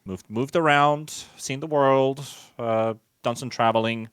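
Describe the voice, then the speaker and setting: A Finnish man in his late twenties, an esports commentator, appears as a guest in a casual conversational interview, talking about his work and travels in a chatty, self-deprecating way and listing things off. He has a Finnish accent and a medium-pitched, smooth, a bit bright voice with fairly even intonation and a measured pace. The studio-quality recording has no echo.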